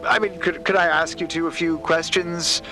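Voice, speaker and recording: A man's voice: on the high side, fairly even intonation, normal speed, music in the background, lightly acted. A man playing a nervous, eager, apologetic journalist in an audio drama, stammering and effusively polite. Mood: hesitant eagerness. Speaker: actor in a fiction podcast. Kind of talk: naturalistic audio drama acting.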